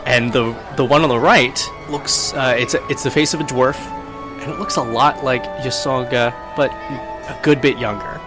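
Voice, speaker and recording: A man playing a tabletop roleplaying game, describing his character in a measured, dryly understated way. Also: mid-range voice, fairly even intonation. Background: background music.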